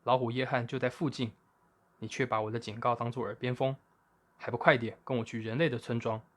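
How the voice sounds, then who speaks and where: A man's voice: mid-range voice, flat delivery, fairly quick, natural voice. A stern, watchful black panther, as a man plays him in a storybook tale. He scolds in a firm, level voice. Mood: scolding. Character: stern, cautious male black panther guardian.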